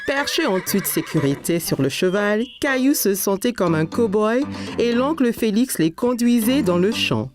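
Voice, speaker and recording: A woman narrates a children's cartoon story with lively, varied intonation. Her voice sits at a medium pitch, and soft music plays behind it. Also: moderate pace. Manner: expressive storytelling to small children.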